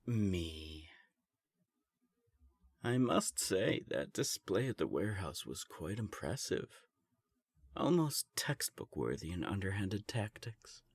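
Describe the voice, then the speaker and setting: A man playing an ancient, powerful vampire in an audio drama, gravelly, taunting and self-assured. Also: deep voice, big pitch swings, slow, no room sound, full character voice. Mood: mocking. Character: smug, ancient, powerful male vampire enforcer. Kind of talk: scripted audio drama acting.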